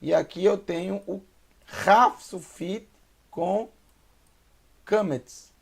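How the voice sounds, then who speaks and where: A man with a Brazilian Portuguese accent teaching beginner Hebrew, sounding out syllables slowly and repeating each word. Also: sits high, gravelly, slightly rough. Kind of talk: slow beginner language lesson.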